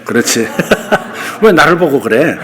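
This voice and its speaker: Male pastor, middle-aged, sermon, high-leaning voice, animated delivery. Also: measured pace, big-room sound, background noise. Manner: animated preaching, acting out bold rebukes to the congregation.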